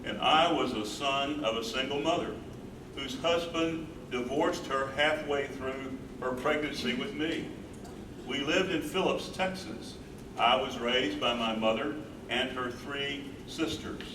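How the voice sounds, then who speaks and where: A man's voice: mid-range voice, unhurried, natural voice. An older man playing an earnest, devoted husband and caregiver in a staged reading, with emphatic phrasing. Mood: reminiscing. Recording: roomy, distant, noisy live stage recording.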